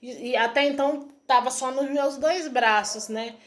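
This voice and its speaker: A woman's voice: sits high, normal speed. A woman telling a casual testimonial to camera in a chatty, repetitive way, retelling conversations. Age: adult student. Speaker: vlogger sharing a home remedy.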